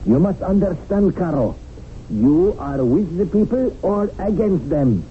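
An actor playing a domineering, fanatical revolutionary commander in a 1970s radio drama, with an imperious, patronizing manner. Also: male voice, high voice, big pitch swings, unhurried, heavily acted. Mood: stern, commanding. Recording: muffled, noisy 1970s radio broadcast.

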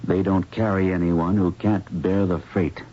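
Earnest protective investigator, very low dark voice, wry and grave, muffled old radio play. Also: male voice, fairly even intonation, unhurried, slight background noise. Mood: grim, wry. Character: earnest protective male investigator doctor in love. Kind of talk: 1970s radio drama acting.

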